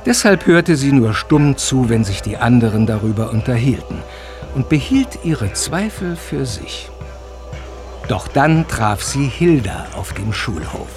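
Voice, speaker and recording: A man's voice: medium pitch, unhurried. Male storyteller narrating over music. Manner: even storytelling delivery. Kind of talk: scripted radio play narration.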